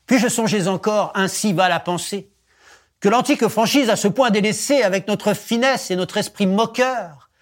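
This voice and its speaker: A man with a notably high voice recites poetry in a measured, expressive declamation. He sets up the poem with a short introduction before he begins.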